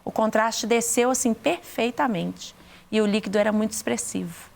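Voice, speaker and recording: Gravelly Brazilian woman giving testimony. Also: a little high, a little mellow. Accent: Brazilian Portuguese. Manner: earnest, repeats words, halting restarts. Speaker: interview guest giving testimony. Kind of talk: emotional faith testimony.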